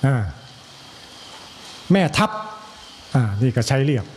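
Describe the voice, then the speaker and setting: A monk with an Isan accent giving an evening sermon, slow and measured, with pauses and repetition and a joke now and then for the listeners. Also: male voice, medium pitch, lively intonation, slight background noise. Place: temple hall.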